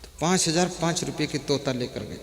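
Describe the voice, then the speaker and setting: A man giving a sermon, telling a story and rising to forceful exhortation. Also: fairly high pitch, fairly quick. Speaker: spiritual teacher. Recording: long hall reverb.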